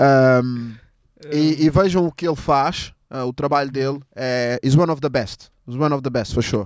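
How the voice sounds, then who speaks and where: Speaking at a moderate pace, a man with a fairly high pitch has an unremarkable speaking voice and ordinary pitch variation. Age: 30s. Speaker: podcast host. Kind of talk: casual interview.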